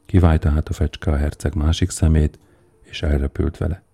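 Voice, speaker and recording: A man narrating a fairy tale in a calm, measured storytelling way. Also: very deep voice, creaky, slightly rough, faint music behind.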